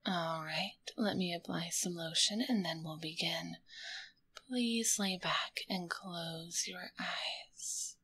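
Woman playing tomboy asmr girl, grumpy but putting on polite, slow breathy whisper right up in the mic. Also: fairly low pitch, full character voice. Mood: polite, soothing. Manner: slow, hushed, soothing service talk with curt asides. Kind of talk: whispered binaural ASMR roleplay. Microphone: close binaural microphone.

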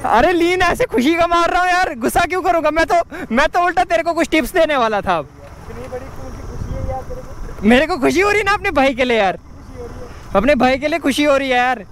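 A man's voice: very high-pitched, expressive, a little fast, long pauses, a bit bright, slight background noise. A man vlogging casually outdoors from his motorbike, chatty and teasing, laughing often. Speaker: motovlogger. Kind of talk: casual motovlog chat. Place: outdoors on the road.

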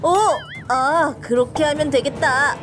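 A woman's voice: sits high, fairly even intonation, takes it slowly, music in the background. A woman voicing an earnest, brave little boy penguin in a children's toy cartoon. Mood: determined.

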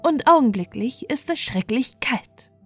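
A woman's voice: sits high, lively intonation, a little slow, fairly bright tone, breathy edge, voice pushed up, exaggerated voice. A woman voicing a self-assured, matter-of-fact philosopher woodpecker in a fairy tale, declaring pompously over music. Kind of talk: fairy tale storybook reading. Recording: music bed behind the voice.

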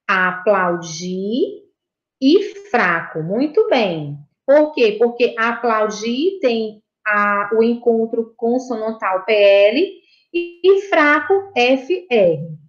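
A woman with a Brazilian Portuguese accent gives a video lesson to young pupils with a high voice. She talks slowly and patiently, repeats every point and praises the answers. The recording sounds dull and echoey, as if made in a bare room. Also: very animated. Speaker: primary school teacher.

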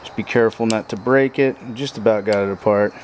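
A man's voice: lowish voice, fairly even intonation, fairly quick, slight background noise. A man walking through a repair step by step in a plain, practical way while he works with his hands at a truck bed. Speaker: motorcycle repair how-to host. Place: outdoors at a pickup truck bed workbench.

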